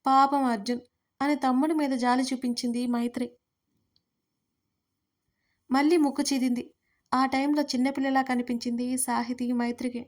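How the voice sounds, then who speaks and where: A woman narrating an audio story in a steady, expressive reading. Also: sits high, moderate pace, long pauses.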